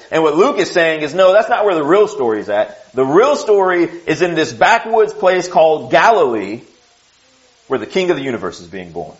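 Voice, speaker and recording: A man teaches through scripture in a sermon, moving between reading verses and chatty asides. His pitch swings widely as he talks, sitting a little high for a man. The recording sounds dull and lo-fi. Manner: conversational, animated, with asides and restarts. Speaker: preacher.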